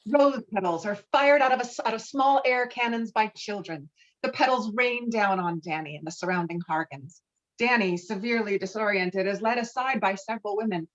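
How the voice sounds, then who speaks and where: A woman's voice: mid-range voice, normal speed, muffled recording. A woman reading stage directions as scripted narration for a virtual table read, recorded over an online call. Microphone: online call microphone.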